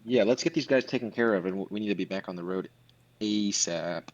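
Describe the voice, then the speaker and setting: A man playing in a tabletop game, asking halting questions that start over several times. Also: on the low side. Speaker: player. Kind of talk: casual game chat. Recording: muffled lo-fi mic.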